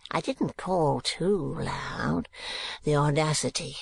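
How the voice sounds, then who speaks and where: A man's voice: slow pace, creaky, husky, heavily acted. A man voicing a spiteful, lecherous old miser in an audiobook, with a cracked, sneering voice. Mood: scheming. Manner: sneering, wheedling, shrill outbursts. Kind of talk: dramatised audiobook reading.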